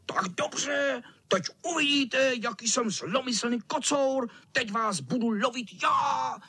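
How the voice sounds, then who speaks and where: A man's voice: very high voice, pushed and bright, slightly rough, no room sound, voice pushed up, heavily acted. A man voicing a mean, mocking old tomcat in a children's story, with a squealing, stuttering voice. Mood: menacing.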